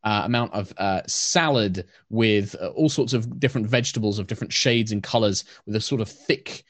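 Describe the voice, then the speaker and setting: A man's voice: lowish voice, no echo. Man narrating as game master, dry sound. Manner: descriptive, unhurried, with frequent fillers.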